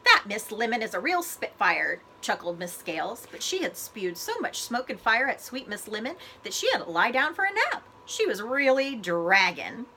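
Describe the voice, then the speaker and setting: A woman librarian reading a children's storybook aloud, with expressive, deliberate phrasing for young listeners. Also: on the high side, slight background noise.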